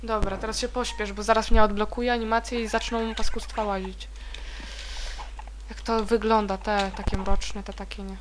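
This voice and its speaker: A young woman casually commenting as she plays a video game, chatty and easily startled into high shrieks. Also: level tone, normal speed, a little hiss or hum. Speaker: let's play gamer.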